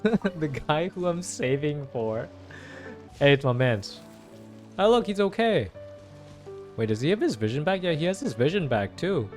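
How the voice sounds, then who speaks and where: A young man giving casual, slangy play-through reactions as an excitable gaming fan. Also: on the high side, measured pace, long pauses. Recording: game music behind voice.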